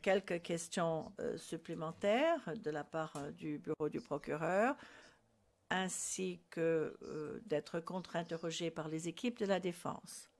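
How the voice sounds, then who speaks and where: A woman giving a formal courtroom interpretation of procedural rulings, in a measured way with frequent hesitations. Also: on the low side.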